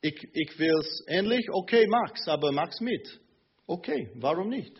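A man preaching a sermon in a church, slow and emphatic with hesitant fillers. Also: on the high side, animated, breathy edge. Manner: hesitant fillers between phrases. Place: church in Munich. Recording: dull lo-fi sermon recording.

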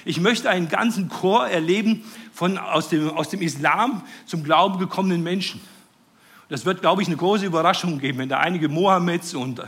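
A man preaching a sermon, earnest and fervent, rising to joyful excitement with hesitant restarts. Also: sits high, moderate pace. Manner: earnest, rises to joyful fervor.

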